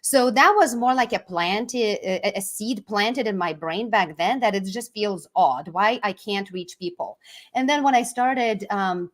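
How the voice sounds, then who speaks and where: A woman's voice: medium pitch, measured pace. A middle-aged woman from Lithuania with a Lithuanian accent, talking casually as an interview guest, chatty and often restarting her words. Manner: chatty, restarts words, laughs between phrases.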